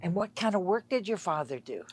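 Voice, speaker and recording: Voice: mid-range voice, big pitch swings, brisk, slightly rough. An older interviewer asking questions and offering frequent short encouraging replies. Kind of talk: oral history interview.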